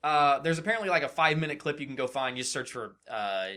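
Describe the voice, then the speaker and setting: Animated, bright-voiced man. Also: on the high side, quick pace. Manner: swears casually, joking. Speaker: podcast host. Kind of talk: casual gaming banter.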